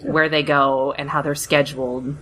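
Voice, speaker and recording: Female panelist, very low pitch with a crisp bright edge, halting delivery, slight background noise. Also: level tone. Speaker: podcast panelist. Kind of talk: casual discussion. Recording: slightly noisy hobby podcast.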